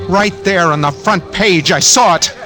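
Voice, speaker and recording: A broke, worn-out swindler tells his story in a halting, stammering voice over swelling music. The voice sits a little high and the old radio broadcast has that period sound. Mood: hysterical. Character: broke swindler man, tired, cracking up. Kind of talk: 1940s radio acting.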